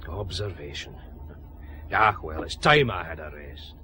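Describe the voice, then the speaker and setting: A deep-voiced, wry Scottish detective. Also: male voice, animated, a little slow, a crowd in the background. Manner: laconic, wry. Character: dry, grumbling male Scottish detective sidekick. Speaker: detective inspector.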